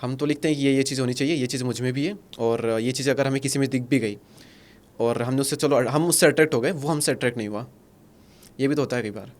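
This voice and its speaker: A man's voice: medium pitch, fast talker. A man hosting a podcast, asking questions casually in Hindi mixed with English words. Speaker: podcast host. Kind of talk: conversational podcast interview.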